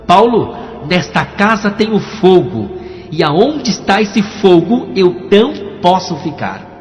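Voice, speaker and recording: A man voicing a commanding female demon spirit with slow, ominous speech, set within his testimony. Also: high-pitched, big pitch swings, heavily acted. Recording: echoey, dull, music underneath.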